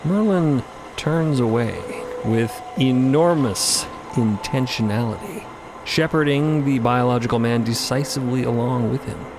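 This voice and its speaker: A man's voice: medium pitch, unhurried, background noise. A man narrating scripted audio fiction in a dramatic storytelling style.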